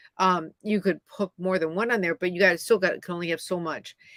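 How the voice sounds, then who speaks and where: A woman speaks in an ordinary speaking voice at medium pitch and a moderate pace. Her intonation is fairly even, and the sound is dry and close with no echo. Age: 60s. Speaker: RV traveler vlogger. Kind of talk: live stream chat. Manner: casual, chatty.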